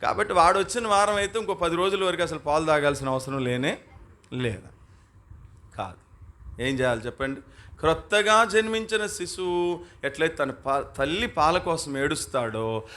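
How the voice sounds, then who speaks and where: A man's voice: a little high, fairly bright tone. A man preaching a sermon in a church hall with a Telugu accent, firing rhetorical questions at the congregation and acting out quoted voices.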